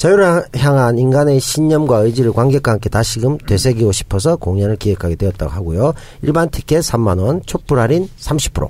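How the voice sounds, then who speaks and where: Hardly pausing at all, a man speaks with very wide pitch swings. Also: medium pitch for a man, moderate pace. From South Korea, Daegu region. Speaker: actor and podcast panelist. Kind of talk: casual political talk.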